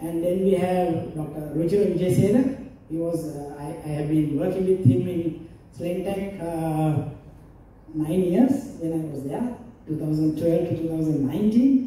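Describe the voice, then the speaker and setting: Strong room echo surrounds a man speaking at a fairly slow pace with lively intonation. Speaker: speaker. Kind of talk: lecture. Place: hall. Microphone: camera far.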